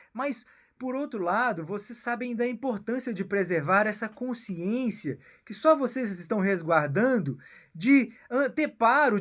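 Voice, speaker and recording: A man's voice: high voice, fairly bright tone. A man with a Brazilian accent giving a rambling political monologue, tagging his phrases with a questioning "né?" and "my son" and often restarting himself. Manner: keeps adding "né?" and "meu filho"; halting, repeats and restarts phrases. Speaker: political commentator.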